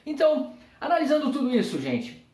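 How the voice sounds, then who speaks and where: A man's voice: extremely high pitch, wildly swooping pitch, brisk, darkish tone, echoey room. A Brazilian man with a Brazilian Portuguese accent, a Christian speaker giving an earnest, emphatic tribute talk to camera in a preacher's repeating cadence.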